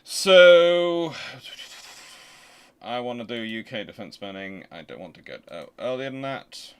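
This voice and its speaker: A man hosting a history channel, explaining informally and thinking aloud in a halting, conversational way. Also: medium pitch, expressive, clean tone. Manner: conversational, halting, muttering to himself while working.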